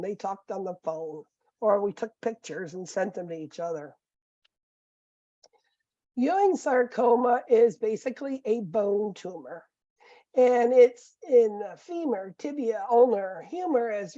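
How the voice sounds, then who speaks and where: A middle-aged nursing professor with a squeaky voice, giving a conversational recorded lecture full of fillers and asides. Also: female voice, dark tone, no room sound. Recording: dull, muffled lecture recording.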